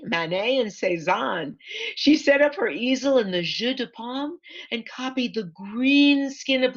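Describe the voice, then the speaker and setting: High-pitched, unhurried woman reading a storybook. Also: lo-fi sound. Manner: expressive, pausing to point things out to listeners. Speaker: author reading her picture book aloud. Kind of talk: storytime read-aloud for children with asides. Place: online library event.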